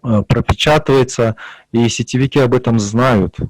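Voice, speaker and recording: A man, a psychologist guest, explaining in a measured way. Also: mid-range voice, dry recording, rough recording. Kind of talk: interview explanation.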